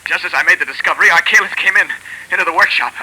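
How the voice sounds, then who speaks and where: Stammering hypnotized lieutenant. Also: male voice, sits high, bright, forceful tone, breathy edge, exaggerated voice, rough recording. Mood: urgent. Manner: halting, stammering. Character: young army lieutenant, hypnotized and frightened. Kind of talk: 1930s radio drama acting.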